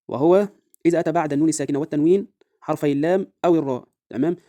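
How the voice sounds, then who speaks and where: An Egyptian man teaches the rules of Quran recitation, switching between quick explanation and slow, drawn-out chanted examples. His voice is mellow and sits a little high for a man. The recording is dry and close, with no room sound. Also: dry recording. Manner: checks in with a repeated rhetorical "right?". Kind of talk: tajweed lesson with recited examples.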